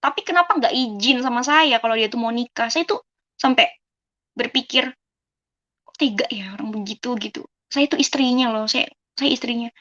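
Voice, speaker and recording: A woman's voice: a little high, moderate pace, bright, forceful tone, muffled recording. A young woman from Indonesia giving a personal testimony in a conversational way, replaying quoted dialogue and often turning to her listeners as friends. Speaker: testimony speaker.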